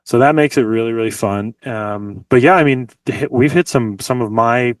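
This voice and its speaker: A man's voice: medium pitch, moderate pace, dry recording. Guy guesting on a podcast over video call, says like a lot, dry sound, kinda far off mic. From Los Angeles, United States. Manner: chatty, leans heavily on "like" fillers. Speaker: guest musician. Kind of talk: casual interview chat. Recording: dry, slightly distant mic.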